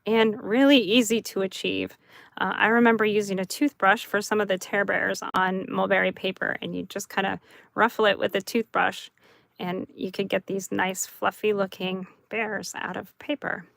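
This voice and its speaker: A woman hosting a live craft chat, soft and chatty, who often laughs and talks about her dry mouth. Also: mid-range voice, fairly even intonation, moderate pace, gravelly, dry recording. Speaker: craft livestream host.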